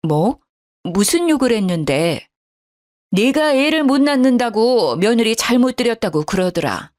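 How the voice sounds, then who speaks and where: A woman's voice: a little high, sing-song, measured pace, a little mellow, no echo, clean studio sound, pitched above the performer's own voice. A woman voicing an indignant middle-aged mother, fretful and outraged, in a storybook narration.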